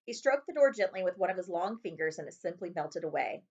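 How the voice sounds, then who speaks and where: A woman's voice: fairly low pitch, lively intonation, quick pace, a little mellow, muffled recording. A woman librarian narrating a children's chapter book as a read-aloud.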